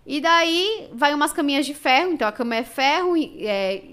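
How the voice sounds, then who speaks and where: A woman's voice: sits high, animated, moderate pace, fairly bright tone. A Brazilian woman, a podcast guest, tells a personal story in casual, emotional chat full of fillers. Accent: Brazilian Portuguese.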